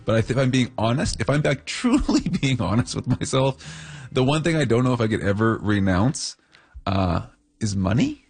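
A man's voice: medium pitch, animated, normal speed, creaky, a little mellow, soft background music. A man hosting the show, musing candidly and a little hesitantly about what he could give up. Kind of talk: reflective commentary.

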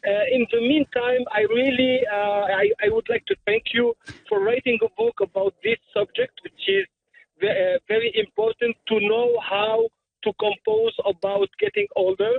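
A man's voice: extremely high pitch, sing-song, normal speed, creaky. A man in his fifties from Tunisia, calling in to a radio show and speaking hesitantly with many fillers and restarts. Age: 50s. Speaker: caller. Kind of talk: phone-in call to a radio show. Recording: tinny phone line.

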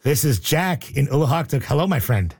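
A man hosting a radio call-in show, upbeat and joking, reading out the phone number slowly. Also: mid-range voice, very animated, darkish tone, slightly rough. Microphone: studio microphone.

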